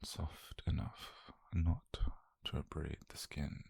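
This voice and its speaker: Casting: male actor as calm, possessive yandere doctor, British, for ASMR roleplay; dark, breathy, creaky voice, very slow, intimate delivery. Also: a bass voice, dry recording, heavily acted. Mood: clinical, menacing. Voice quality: breathy, husky near-whisper.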